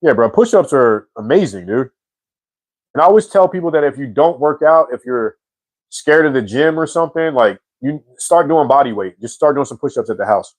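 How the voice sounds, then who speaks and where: A man's voice: mid-range voice, moderate pace, no room sound, low-quality recording. A man in his forties hosting a casual live chat, reading viewer comments and answering in a slangy, easygoing way. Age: 40s. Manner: slangy and relaxed, says bro and man a lot.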